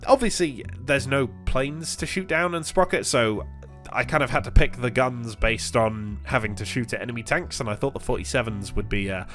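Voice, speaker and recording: A man's voice: medium pitch, normal speed, a bit bright, soft background music. A man hosting his gaming channel, sounding congested as he recovers from illness, talking casually with lots of fillers and restarts. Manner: rambling, many fillers and restarts. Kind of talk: casual gameplay commentary.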